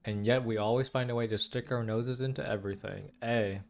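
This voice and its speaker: A man's voice: mid-range voice, steady tone, brisk, vocal fry, soft background music. A young man giving casual, slangy gaming commentary with lots of exclamations. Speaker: game streamer reacting to a story quest.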